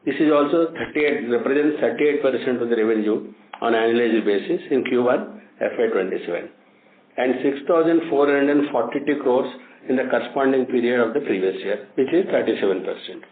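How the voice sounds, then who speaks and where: A man's voice: medium pitch, brisk. A man with an Indian accent formally reading out financial figures as an executive on a company earnings call, now and then stumbling over numbers. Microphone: phone conference line. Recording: tinny phone line, echoey, faint noise.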